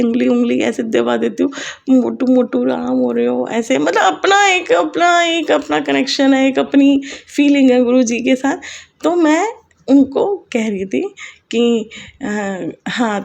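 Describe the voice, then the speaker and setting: A woman's voice: high-pitched, creaky, darkish tone. A middle-aged woman sharing a heartfelt spiritual experience with a congregation, chatty and emotional. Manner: chatty, emotional, sings short devotional lines. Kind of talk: personal testimony to a congregation.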